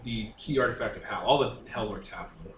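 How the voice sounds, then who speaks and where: A man's voice: fairly low pitch, fairly quick, fairly bright tone. A man casually improvising narration as game master of a tabletop game, talking informally. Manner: informal, conversational. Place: indoor room with other players. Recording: echoey room, far from mic, faint noise.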